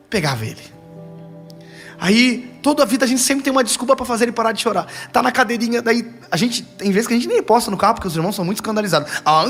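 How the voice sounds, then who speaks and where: Man, young adult, Brazilian Portuguese accent, pastor, sermon, animated storytelling, high-pitched. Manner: animated storytelling, acting out quotes.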